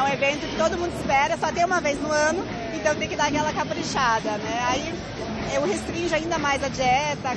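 A young woman fitness model answering interview questions at a busy indoor sports fair, relaxed and chatty, speaking into a handheld mic. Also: high-pitched. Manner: relaxed, chatty, fond of diminutives. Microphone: reporter's handheld mic. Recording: loud music and crowd at an expo.

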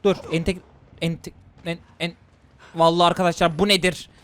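A young man streaming a horror game run, giving fast excitable commentary to himself and viewers. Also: fairly high pitch, clean tone, no room sound. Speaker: gaming streamer. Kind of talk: excited let's-play commentary.

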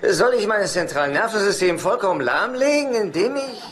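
Whiny, neurotic brother with lively pitch. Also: male voice, normal speed. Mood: rueful. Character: neurotic, self-pitying, wordy middle-aged brother. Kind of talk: dubbed sitcom dialogue.

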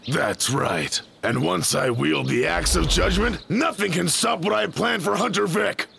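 A woman's voice: on the low side, lively intonation, unhurried, creaky, slight background noise, heavily acted. A woman voicing a scheming, boastful older brother bear in a cartoon. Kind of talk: cartoon voice acting. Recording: loud music behind voice. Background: music.

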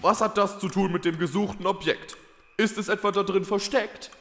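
A man playing an excitable, bossy leader of little storybook creatures in a children's audio drama, blustering and pompous. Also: high voice, normal speed. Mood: indignant. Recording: long reverb, faint noise.

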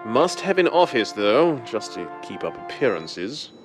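An actor playing a suave, secretive wealthy gentleman with a smooth, urbane drawl in a 1930s-style radio drama. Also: medium pitch, sing-song, a little slow, music in the background. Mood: idle, breezy.

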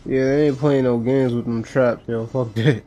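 A man's voice: mid-range voice, fairly even intonation, normal speed, dark tone. A man giving casual, slangy and profane commentary while playing a video game. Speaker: gaming video host. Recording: faint game music behind.

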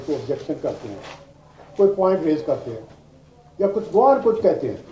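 A retired judge, older and Pakistani-accented, teaches a law class with step-by-step explanations, repetition and English legal vocabulary. His voice is on the high side with a dark tone. The classroom sound is roomy and dull, with background noise.

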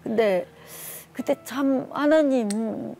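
Middle-aged woman guest, soft dark voice with some fry, telling a personal testimony with deep feeling. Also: slow pace. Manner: earnest, emotional, retells talk with her daughter. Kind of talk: tearful personal testimony on a talk show.

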